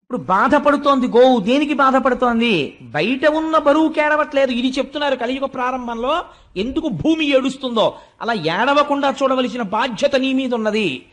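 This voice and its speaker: Middle-aged man, high pitch, scripture discourse, storytelling with acted quotes and slow recited verses. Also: lively intonation, fairly bright tone. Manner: storytelling, acts out dialogue, recites verses slowly. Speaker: religious discourse speaker. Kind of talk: Telugu devotional discourse on scripture.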